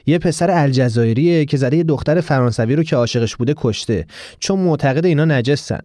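A chatty young man who jokes around with his friend, played by a male narrator. The storybook voice is mellow and dark, close to a dry mic. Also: mid-range voice, dry recording, lightly acted. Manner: playful and teasing, then earnest. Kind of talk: audiobook character voice.

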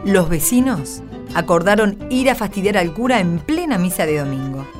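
A woman's voice: fairly low pitch, sing-song, moderate pace. A woman with an Argentine accent narrating a scripted radio drama. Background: plucked guitar music.

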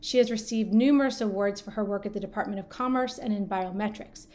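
A woman hosting an interview show, reading a guest introduction and asking questions in a measured, scripted way. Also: medium pitch, a little mellow. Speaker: podcast host.

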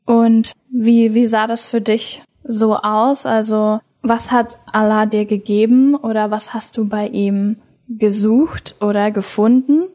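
Host: woman, slightly high voice, unhurried and steady, gentle interviewer. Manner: gentle, encouraging questions. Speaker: podcast interviewer. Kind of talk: casual interview chat.

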